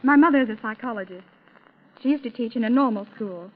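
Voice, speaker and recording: A woman's voice: a little high, fast talker. An eighteen-year-old woman from Salt Lake City, interviewed on a 1930s radio program, answering in a modest, chatty way. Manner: modest and chatty, with light laughs. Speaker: interview guest, contest champion. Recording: tinny, thin old radio recording.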